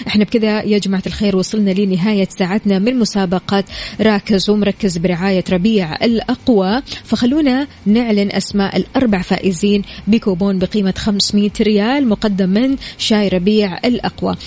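A woman's voice: medium pitch, darkish tone. A woman with a Saudi accent hosting a live morning radio show, chatty and speaking straight to her listeners. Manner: chatty, addresses listeners directly. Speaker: radio host.

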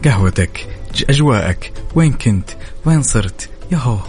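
A man's voice: mid-range voice, expressive, normal speed, darkish tone. A man with a Saudi accent hosting a radio morning show, chatting colloquially with listeners over music. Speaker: radio host. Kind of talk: lively morning radio chat. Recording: music bed behind voice. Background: faint music.

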